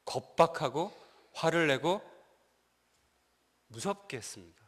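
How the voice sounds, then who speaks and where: A man's voice: a little high, expressive, measured pace, fairly bright tone, breathy edge, in a large hall. A man who is a pastor, preaching a sermon in a church, telling a family story and putting questions to the congregation. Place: church sanctuary.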